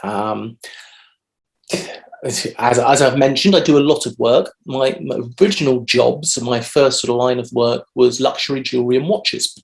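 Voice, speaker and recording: A man, answering interview questions at an even pace with frequent "um" fillers over a video call. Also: mid-range voice, moderate pace, creaky. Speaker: DJ and podcast guest. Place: home room on video call.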